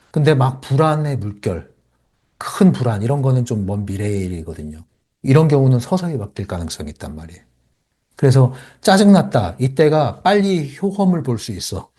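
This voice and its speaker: Husky man giving an emphatic book talk. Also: medium pitch, mellow. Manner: emphatic, acts out inner monologue with sighs and asides. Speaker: channel host explaining a self-help book. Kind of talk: spoken book lecture.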